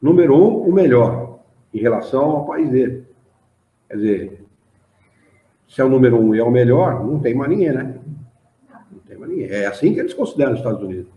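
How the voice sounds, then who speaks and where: A man's voice: mid-range voice, sing-song, fairly quick, pauses often. A man with a Brazilian Portuguese accent leading an informal study group in an association's hall, chatting animatedly and reading passages aloud. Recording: dull echoey room recording.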